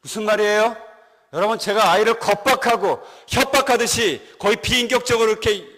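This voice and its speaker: Male pastor, high voice, long church reverb; animated sermon with questions to the congregation. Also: brisk. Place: church sanctuary.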